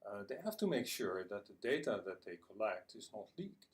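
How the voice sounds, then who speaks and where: A man giving an explanatory presentation as a conference speaker, with deliberate, halting phrasing and repeated words. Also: on the low side, sing-song. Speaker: conference speaker on internet security. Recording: distant microphone.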